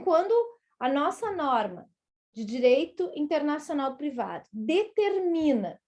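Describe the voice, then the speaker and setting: High-voiced Brazilian woman lecturing on law. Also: darkish tone. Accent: Brazilian Portuguese. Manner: explanatory, addresses students directly, acts out quoted judges. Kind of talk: university lecture.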